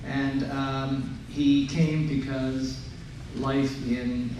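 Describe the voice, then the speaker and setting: With a Canadian accent, a man of medium pitch speaks amid noticeable background noise and audible room echo. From Toronto, Canada. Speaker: lawyer. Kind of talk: award acceptance speech. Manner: halting, many fillers.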